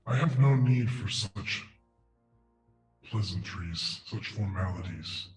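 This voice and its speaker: Man putting on a towering gold dragon for a tabletop game, booming echoing voice, low and unhurried, set back from the mic. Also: expressive, distant mic, soft background music. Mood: grave. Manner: slow and stately. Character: huge regal female gold dragon, ancient and menacing. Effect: big booming echoing voice. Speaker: game master.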